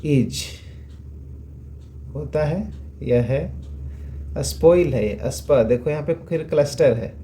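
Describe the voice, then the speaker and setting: A man gives a phonics lesson, patiently sounding out letters one by one and asking little checking questions as he goes. His voice is dark and mellow at an ordinary pitch. A faint background hiss sits under the recording. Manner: patient, repeats sounds slowly and asks rhetorical checks. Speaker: English teacher. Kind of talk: phonics lesson explained in Hindi.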